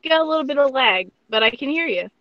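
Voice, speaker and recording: A woman's voice: high-pitched, expressive, quick pace. A woman hosting a casual podcast interview over a dull, slightly lo-fi remote connection. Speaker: guest host.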